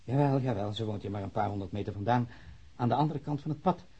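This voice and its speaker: A stiff, evasive villager, muffled. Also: male voice, mid-range voice, quick pace, warm tone, husky. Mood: guarded politeness. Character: evasive, formal ex-convict villager under police questioning. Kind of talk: naturalistic Dutch radio drama acting. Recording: muffled, dull radio drama recording.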